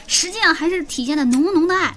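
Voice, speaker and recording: A woman's voice: extremely high pitch, quick pace. A woman hosting a radio comedy chat show from a studio, telling funny stories and bantering with her guests. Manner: lively storytelling, bantering. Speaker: radio host.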